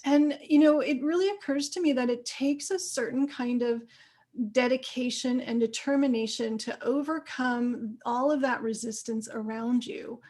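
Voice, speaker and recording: A woman's voice: high voice, darkish tone. A woman host who reads an enthusiastic introduction of her guest and then interviews her. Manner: upbeat and enthusiastic. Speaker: summit host.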